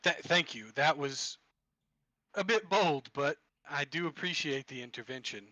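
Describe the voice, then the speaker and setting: A man voicing a kindly old male temple elder in a robe, speaking politely and in measured phrases. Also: a little high, pushed and bright, dry recording. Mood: grateful, measured.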